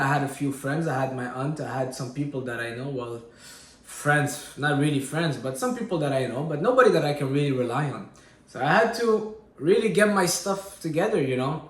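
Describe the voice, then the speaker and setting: A man's voice: a little high, echoey room. Candid Syrian-born man in his twenties. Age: 20s. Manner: candid, searching, repeats phrases with many fillers. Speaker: fitness vlogger. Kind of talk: personal reflective monologue.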